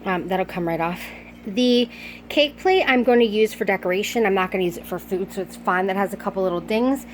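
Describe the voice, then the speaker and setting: A middle-aged woman vlogging casually, talking fast and chatty, a little out of breath, often breaking off mid-sentence. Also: mid-range voice, a little hiss or hum. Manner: fast, chatty, self-interrupting. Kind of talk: casual haul vlog.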